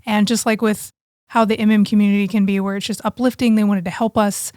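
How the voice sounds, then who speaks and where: A woman's voice: medium pitch, level tone, quick pace, darkish tone, no echo, clean studio sound. A woman co-hosting a podcast, telling personal stories in a casual, conversational way. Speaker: podcast co-host. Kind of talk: casual chat, personal storytelling.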